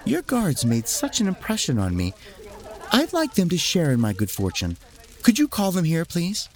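Humble, generous storybook noblewoman played by a man, earnest, raised voice with lively melody. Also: a little high, moderate pace, faint music behind, voice pushed up. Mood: polite, sly.

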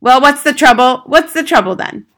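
A large, vain housewife from a storybook, acted by a woman narrator. She is shrill and high, ratty and dismissive whenever anyone bothers her. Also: very animated, brisk, fairly bright tone. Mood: ratty, curt. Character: large, vain, irritable, TV-obsessed housewife and mother. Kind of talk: acted audiobook dialogue.

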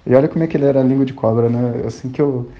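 A man from Rio de Janeiro, Brazil races through a personal anecdote in colloquial speech, acting out the quoted dialogue. His mid-range voice keeps a steady tone, captured on a dull lo-fi recording.

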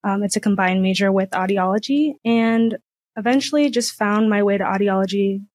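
A young woman in her twenties from Cincinnati, a student guest answering candidly with many pauses. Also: medium pitch, no echo. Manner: relaxed, candid, many ums. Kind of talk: casual interview answers.

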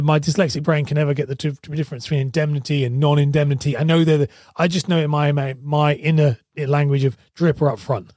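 Man, hoarse strained voice, rambling solo podcast talk, fairly high pitch, dry room. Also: a little mellow, dry recording. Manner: chatty, rambling, self-correcting. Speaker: podcast host.

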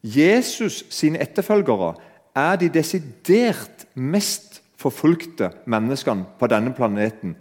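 A man's voice: medium pitch, very animated, a little mellow. A man preaching a sermon in a conversational way, talking straight to his listeners. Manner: conversational, addresses listeners directly. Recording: long hall reverb.

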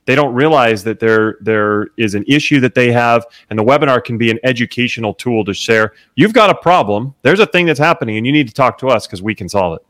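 A man's voice: mid-range voice, expressive, brisk, hardly any pauses, fairly bright tone, no room sound, studio quality. A man hosting a podcast interview, upbeat and enthusiastic as he asks his guest questions. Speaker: podcast host.

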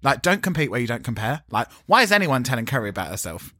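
A man's voice: mid-range voice, very animated, fast, pushed and bright, no room sound, studio quality. A man co-hosting a podcast, chatting casually and catty about a TV show, with plenty of fillers and strong opinions. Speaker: podcast co-host. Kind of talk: casual chat reviewing a TV show.

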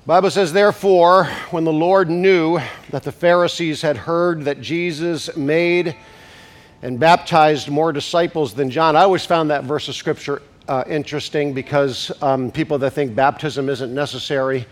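Congested preacher with a slightly high voice. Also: male voice, fairly even intonation. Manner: rising to emphatic preaching at climaxes; slows down to stress key scripture words. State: congested from a cold. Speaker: pastor. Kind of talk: sermon.

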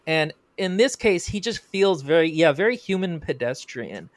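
A book club member giving careful, considered opinions in a relaxed chat with friends. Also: mid-range voice, dry recording. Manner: thoughtful, measured opinions with hedging. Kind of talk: casual book discussion.

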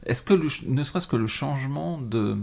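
A man interviewing in a casual chat, hesitant and halting as he searches for his words. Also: mid-range voice, animated, gravelly.

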